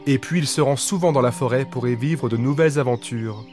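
A man telling a bedtime story in a lively, expressive reading voice. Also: medium pitch, brisk, soft background music.

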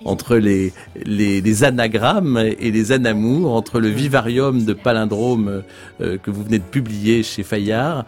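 A man's voice: lowish voice, measured pace, faint music behind. A man hosting a radio interview, speaking hesitantly with many filler sounds. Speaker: radio host.

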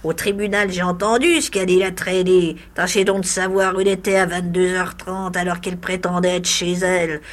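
A woman's voice: little pitch movement, fairly quick, few pauses, close to an everyday voice. A woman reading a short story, voicing a spiteful, greedy, disfigured old hag with a grating, cackling voice. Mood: shrill, sneering. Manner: wheedling, shrill, sneering.

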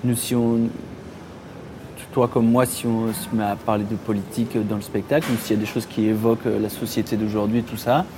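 A man's voice: fairly low pitch, fairly even intonation, background noise. Hesitant male comedian chatting. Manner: hesitant, full of pauses and restarts. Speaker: comedian guest. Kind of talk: casual conversation.

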